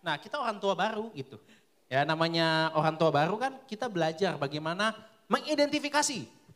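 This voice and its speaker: A young male preacher speaks with a notably high voice. He keeps his sermon casual and lively, peppering it with rhetorical questions to pull the listeners along. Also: a little fast.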